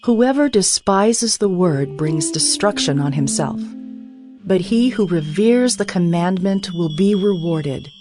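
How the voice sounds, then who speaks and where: Woman, lowish voice, measured scripture narration, declarative delivery, clear instrumental music behind. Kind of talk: dramatized scripture reading over music. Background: instrumental music with guitar.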